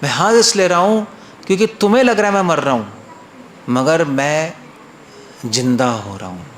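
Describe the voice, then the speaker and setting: A man voicing a serene old monk who laughs everything off and explains his reasons in a calm, amused way. The voice sits a little higher than most men's. A roomy echo hangs around it over a faint hiss. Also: normal speed, natural voice. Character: cheerful laughing old male Buddhist monk.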